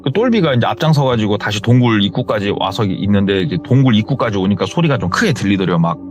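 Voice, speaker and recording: A man's voice: fairly low pitch, animated, fast talker, a little mellow. A man telling a horror story in a vivid, dramatic, casual spoken retelling. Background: faint music.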